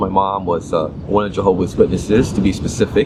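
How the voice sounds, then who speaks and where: Noticeable background noise beneath a voice with an American accent. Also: man. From Maryland, USA. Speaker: spoken word poet and DJ. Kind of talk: interview answer.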